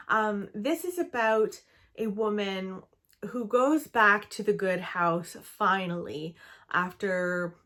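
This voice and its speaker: A woman's voice: mid-range voice, a bit bright. Chatty, upbeat young woman book vlogger. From Canada. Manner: chatty and enthusiastic, frequent "um" and "like". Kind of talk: casual book-review vlog.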